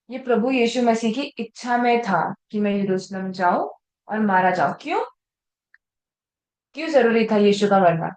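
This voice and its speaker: A woman teaching a children's Sunday school lesson, telling a Bible story and asking the children questions in an animated way. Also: a little high, reverberant, rough recording. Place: church room with children, also on a video call.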